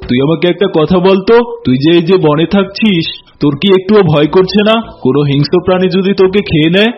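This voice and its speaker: High-pitched greedy cartoon tiger, played by a man. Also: fast talker, slightly rough, muffled recording, soft background music. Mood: taunting, menacing. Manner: taunting, chuckling, bossy. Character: wicked, gullible male tiger, menacing and greedy. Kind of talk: animated folk-tale cartoon dialogue.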